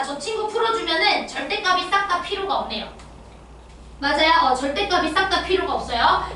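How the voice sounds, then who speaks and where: Bright-voiced woman math teacher, echoey room. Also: sits high. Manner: checks understanding with constant tag questions. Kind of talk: lecture to exam students. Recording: echoey room, distant mic, faint noise.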